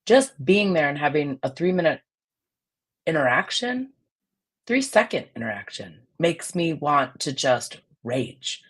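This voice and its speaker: A woman with a raspy, projected voice, talking bluntly as a guest in a casual chat. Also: deep voice, sing-song, unhurried. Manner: projects her voice, blunt and fiery.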